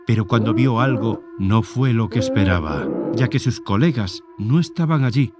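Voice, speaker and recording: A man narrating a horror story as a scripted literary reading, in a measured storytelling manner. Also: medium pitch, expressive, over loud music.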